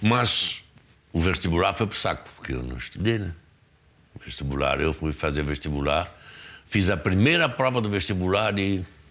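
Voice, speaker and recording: A man with a very deep, low pitch speaks with lively intonation, broken by long, frequent pauses. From Santa Catarina, Brazil (raised in Itajaí); Santa Catarina, Brazil. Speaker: radio newscaster. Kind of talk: interview. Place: studio. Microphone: lapel.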